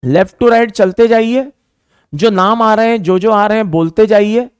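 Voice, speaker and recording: A man teaching chemistry in an online lecture, mixing Hindi and English, dictating terms slowly and repeating them for students to write down. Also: high voice, clear, resonant tone, no room sound, clean studio sound. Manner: calls students "beta", patient and explaining.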